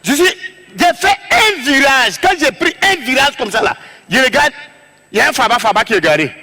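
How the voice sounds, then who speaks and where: A man with a West African French accent doing an animated comic story on stage, acting out scenes and jumping between shouts and low asides. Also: normal speed. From Togo. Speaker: stand-up comedian.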